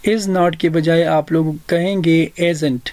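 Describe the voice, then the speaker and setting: A man with a South Asian accent giving a language lesson as a teacher, deliberately explaining and repeating phrases for learners. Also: on the high side, steady tone, a little mellow, no echo. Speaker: English teacher.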